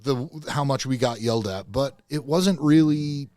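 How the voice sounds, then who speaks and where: Loud, passionate man, podcast guest. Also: medium pitch, moderate pace, dry recording. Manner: loud, passionate, profane, emphatic. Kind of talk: casual podcast chat.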